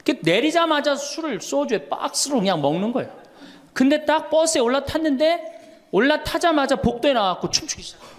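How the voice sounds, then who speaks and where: An older male priest in his sixties preaches to an audience with a high, bright voice. His pitch swings widely as he tells funny stories, laughing along and acting out the people in them. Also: brisk, slight background noise. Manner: storytelling with laughter and lively quoted dialogue. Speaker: Catholic priest. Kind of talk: humorous sermon lecture.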